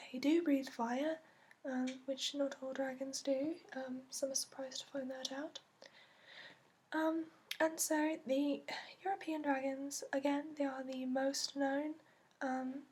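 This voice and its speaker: Soft, high-voiced dragon instructor played by a woman. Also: slight background noise. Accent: put-on. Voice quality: soft, often slipping into whisper. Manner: hesitant, explanatory, frequent ums. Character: gentle female instructor briefing new dragon companion recruit. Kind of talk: soft-spoken ASMR roleplay.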